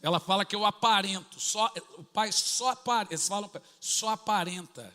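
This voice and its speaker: A middle-aged man, preaching a sermon full of personal stories, acting out family dialogue and breaking into sudden shouts. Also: high voice, a little fast, in a large hall. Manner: animated, acts out family dialogue, bursts into shouts. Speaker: pastor.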